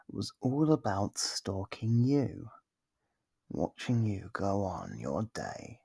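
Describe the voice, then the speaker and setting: An actor voicing a smug, possessive, centuries-old vampire in an ASMR roleplay, slow and condescending, with a gravelly, husky voice and whispered phrases. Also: low voice, no echo, heavily acted. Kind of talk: ASMR roleplay monologue to the listener.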